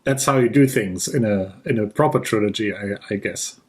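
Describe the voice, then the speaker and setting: A man's voice: on the low side, normal speed, darkish tone. A man with a German accent co-hosting a board game podcast, rambling with dry, mock-serious humor. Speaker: podcast co-host. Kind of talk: casual chat.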